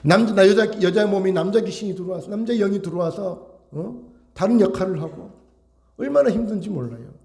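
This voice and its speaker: A man's voice: high voice, a little fast, creaky, a little mellow. A male pastor preaching a sermon, emphatic and full of rhetorical questions to his congregation.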